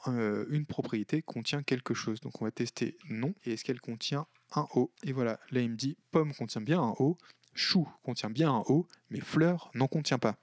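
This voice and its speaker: A man hosting a casual screen-recorded software tutorial, chatty, with many fillers and self-corrections. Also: medium pitch, no room sound, clean studio sound. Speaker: tutorial host.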